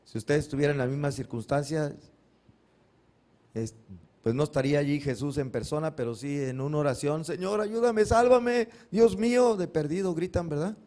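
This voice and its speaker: A man's voice: on the high side, a little fast, warm tone. A male pastor giving a Sunday sermon, posing questions to the congregation and answering them himself, acting out the cries of the Bible figures. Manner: acts out biblical cries dramatically.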